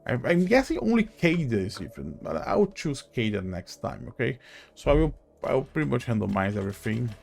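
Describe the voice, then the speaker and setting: A man hosts a gaming video in a gravelly, mid-pitched voice. He comments casually and haltingly, thinking aloud. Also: big pitch swings, darkish tone, slight background noise.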